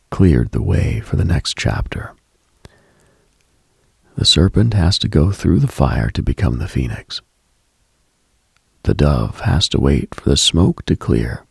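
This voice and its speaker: A man hosting a late-night spiritual radio show, speaking in a hushed, breathy, reflective monologue. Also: a bass voice, no room sound, clean studio sound.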